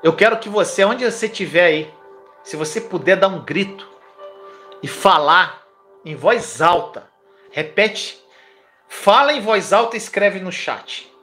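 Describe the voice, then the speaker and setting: A man's voice: sits high, lively intonation, unhurried, sharp tone, soft background music. A man preaching a live-streamed sermon, fervently urging listeners to repeat declarations aloud.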